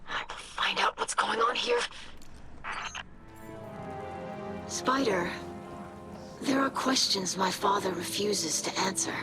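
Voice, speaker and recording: A woman's voice: mid-range voice, unhurried, music in the background, lightly acted. A woman voicing an earnest, curious young alien scribe in a video game, speaking formally and precisely. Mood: probing. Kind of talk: video game cutscene acting.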